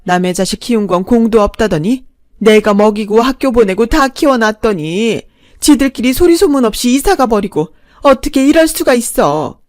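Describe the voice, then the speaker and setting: A woman doing a shrill, shameless older mother-in-law. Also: measured pace, no room sound, studio quality, lightly acted. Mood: wailing. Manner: loud, scolding and whining. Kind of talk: storytelling with acted dialogue.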